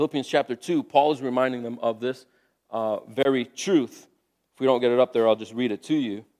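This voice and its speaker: A man speaks at a fairly quick pace and medium pitch, with fairly even intonation. The sound is dry and close, without any echo. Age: 40s. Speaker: pastor. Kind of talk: sermon. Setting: church. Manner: halting.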